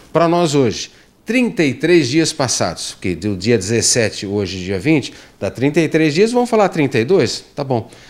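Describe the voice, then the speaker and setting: The man's fairly high voice moves at a moderate pace, its pitch swinging very widely. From Brusque, Santa Catarina, southern Brazil. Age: 60s. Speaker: TV talk show host. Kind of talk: TV interview and on-air criticism. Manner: indignant, emphatic.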